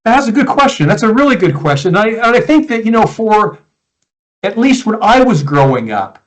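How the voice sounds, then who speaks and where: A man in his sixties with an American Midwest accent, a guest coach answering interview questions in a relaxed, reflective way over a video call. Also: high-pitched, normal speed. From United States, Iowa. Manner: relaxed, reflective, with frequent restarts.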